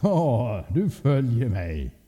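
A man voicing a laid-back, self-satisfied father in a told story, drawing his words out slowly. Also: mid-range voice, big pitch swings, mellow, close to an everyday voice. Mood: pleased. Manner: slow, drawn-out, a bit innocent. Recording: long hall reverb.

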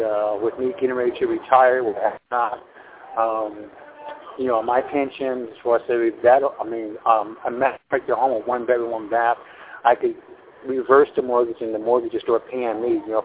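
Older male home seller, sixties, halting and wordy, phone-quality audio. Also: medium pitch, a little hiss or hum. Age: 60s. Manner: rambling, halting with many fillers and restarts. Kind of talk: casual phone conversation. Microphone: telephone. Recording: tinny phone line.

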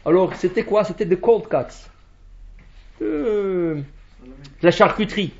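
A man giving a Torah lesson as a lively storyteller, acting out the characters' lines. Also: sits high, a little slow, creaky. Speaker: rabbi. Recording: dull lo-fi recording.

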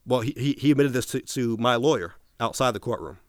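A man's voice: medium pitch, a little fast, dry recording, clean studio sound. A man being interviewed, retelling a long story in a casual way, restarting often and quoting what others said. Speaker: interview guest.

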